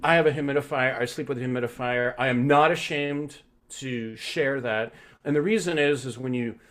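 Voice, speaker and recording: A man's voice: mid-range voice, moderate pace, fairly bright tone. A man teaching vocal health in a live online masterclass, coaching with frequent "right?" check-ins.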